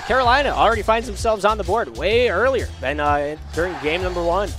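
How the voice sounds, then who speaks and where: A young man doing live esports play-by-play, hoarse from a week of illness, his voice sometimes cracking, rising with energy on shots and goals. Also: sits high, a bit bright.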